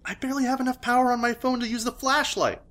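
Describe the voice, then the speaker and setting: A woman's voice: a little high, steady tone, fairly bright tone, lightly acted. Sarcastic skeptic, voiced by a woman. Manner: sarcastic and dismissive, quick to explain things away. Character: skeptical young character named Mike. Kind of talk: audio drama acting.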